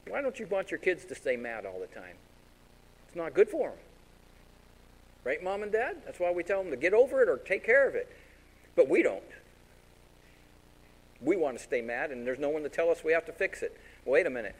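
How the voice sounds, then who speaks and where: A man's voice: fairly high pitch, moderate pace, pauses often, slightly rough, poor audio. Give me a folksy male pastor preaching a sermon. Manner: folksy, animated storytelling with acted-out voices.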